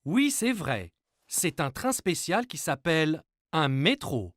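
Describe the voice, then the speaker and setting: Cheerful young cartoon dad, mock-grand and patient, hugely animated intonation. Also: male voice, on the high side, slow pace, no room sound, clean studio sound, full character voice. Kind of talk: children's cartoon dialogue.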